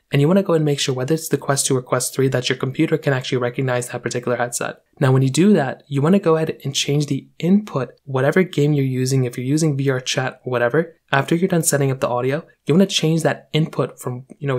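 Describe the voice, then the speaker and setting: Fast-talking man, casual tutorial. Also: medium pitch. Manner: rambling, repetitive, filler-heavy explaining. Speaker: tech tutorial host. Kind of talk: casual how-to tutorial voice-over.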